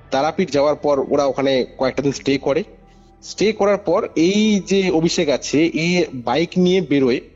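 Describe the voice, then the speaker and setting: Over a muffled phone line with music underneath, a man with a fairly high, darkish voice calls in to recount a paranormal case. His storytelling is animated and emphatic, full of repeated phrases and checks that the listener is keeping up.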